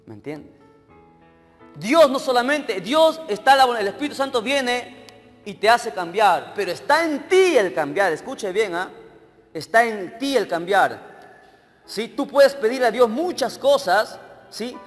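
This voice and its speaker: A man preaches a sermon in a fairly high voice, asking the congregation questions all the time. He swings from loud bursts to near-hushed lines. His voice rings with a long reverb, and soft music plays under it. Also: sing-song, measured pace. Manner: emphatic, questions the congregation often. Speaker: evangelist preacher.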